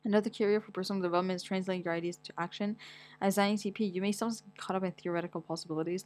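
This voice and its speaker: A young woman from Morocco chatting casually as a vlogger, rambling and blunt, swearing often as she reads things aloud and reacts to them. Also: fairly low pitch. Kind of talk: casual chat, reading aloud.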